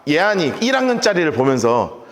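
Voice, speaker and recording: A man's voice: a little high, wildly swooping pitch, a little fast. A male pastor preaching a sermon and telling stories with playful acted voices. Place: church hall. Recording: echoey church hall.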